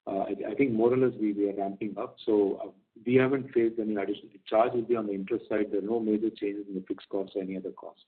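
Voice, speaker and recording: A man with an Indian accent answering as a company executive on an earnings call, measured and guarded, often stammering and repeating words as he goes. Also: lowish voice, steady tone. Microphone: phone or conference call line. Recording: narrow, tinny conference call line.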